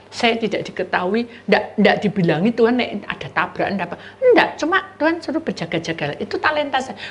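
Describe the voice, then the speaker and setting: A woman's voice: medium pitch, a little hiss or hum. A middle-aged woman pastor, preaching a sermon and telling personal stories, acting out the voices of the people in them. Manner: lively storytelling, acts out voices of neighbors and God, addresses listeners as saudara.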